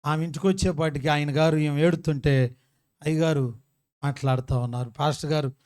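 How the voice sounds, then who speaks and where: A male pastor delivers a sermon in a high voice. He keeps asking the congregation questions and answering them himself, repeating key words with emphasis. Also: fairly even intonation, a little fast, darkish tone. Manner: call-and-response questions to the congregation, emphatic repetition.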